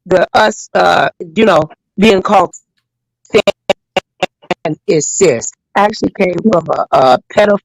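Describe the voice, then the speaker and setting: Woman, breaking-up video call audio, gravelly, dry sound, stop-start fillers. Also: lowish voice, dry recording, poor audio. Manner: halting, stop-start delivery with many fillers. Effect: choppy, breaking-up video call audio. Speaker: panel guest. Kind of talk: heated casual discussion on a video call. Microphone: remote call from home device.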